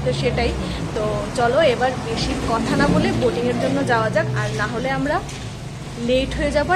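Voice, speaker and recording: A woman chats familiarly to her viewers as she narrates a casual travel vlog. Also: on the high side. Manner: chatty, addresses viewers familiarly. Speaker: travel vlogger, host. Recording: clearly noisy outdoor ambience. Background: ambient noise.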